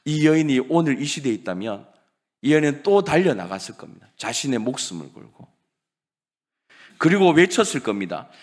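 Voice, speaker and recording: A male pastor preaching a sermon, dramatic and swinging from loud emphasis to hushed words. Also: medium pitch, big pitch swings, moderate pace.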